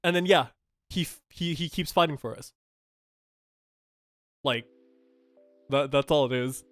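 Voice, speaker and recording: A man's voice: fairly high pitch, unhurried, no echo, studio quality, faint music behind. A young man from Thailand whose first languages are Thai and Japanese, talking through game news in a chatty, blunt way with lots of fillers and restarts. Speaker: gaming streamer. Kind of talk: casual game news reaction commentary.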